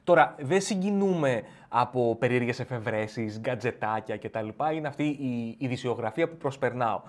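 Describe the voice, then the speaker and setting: A young adult man hosting a comic monologue, telling a story with plenty of energy and switching into other people's voices. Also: mid-range voice. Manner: animated, acts out friends' voices. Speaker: comedian host. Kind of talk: stand-up style comic monologue.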